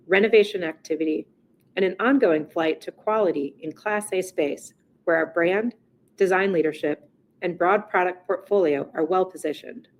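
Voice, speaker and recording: A woman chief executive reading a scripted earnings presentation in a formal, measured corporate manner. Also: mid-range voice, slight background noise, rough recording.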